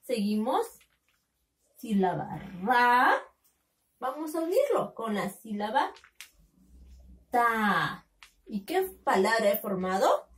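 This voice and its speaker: Slow, lilting kindergarten teacher woman. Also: a little high, big pitch swings, distant mic. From Peru. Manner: slow, drawn-out syllables, coaxing questions. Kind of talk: remote phonics lesson for young children.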